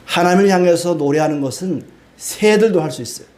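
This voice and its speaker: A man's voice: high-pitched, fairly quick, darkish tone. A middle-aged male pastor from Korea, preaching a sermon with homey stories and acted-out quotes.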